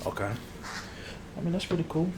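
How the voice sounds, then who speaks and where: A man's voice: on the high side, sing-song. A man playing an irritated, money-minded hood barber in an ASMR role-play, chatting casually and grumbling as he repeats himself. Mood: chatty, confiding. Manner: grumbling, repeats phrases, drawn-out asides. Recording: clearly noisy background ambience.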